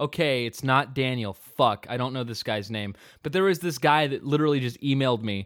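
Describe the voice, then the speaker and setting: Recorded very cleanly against a silent background, a man talks in a plain, everyday voice at a fairly high pitch, the sound dry and close with no echo. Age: 20s. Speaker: voice actor. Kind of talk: casual chat.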